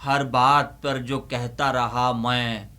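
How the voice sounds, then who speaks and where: A man's voice: medium pitch, level tone, pushed and bright. A man reciting humorous poetry as a host, in a theatrical, emphatic manner, repeating lines for effect.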